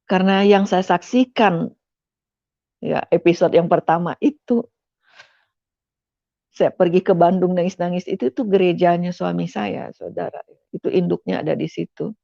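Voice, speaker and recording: A woman's voice: medium pitch, creaky, mellow, no echo. A middle-aged woman from West Sumatra tells her personal faith testimony with emotion, often addressing her listeners as "Saudara". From West Sumatra, Indonesia. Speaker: testimony speaker. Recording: dull, dry lo-fi sound.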